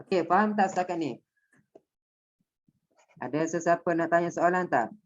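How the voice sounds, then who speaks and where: A woman's voice: on the low side, moderate pace, muffled recording. A woman teacher with a Malaysian Malay accent, explaining a lesson step by step and checking that her pupils understand. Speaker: primary school Malay teacher. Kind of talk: online class lesson.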